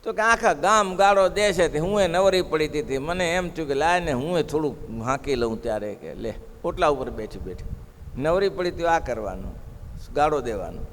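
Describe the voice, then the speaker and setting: A man's voice: fairly high pitch, expressive, moderate pace, slight background noise. A man with a Gujarati accent giving a storytelling sermon, acting out the people in his tales. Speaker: religious speaker at a gurukul. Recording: long reverb of a hall.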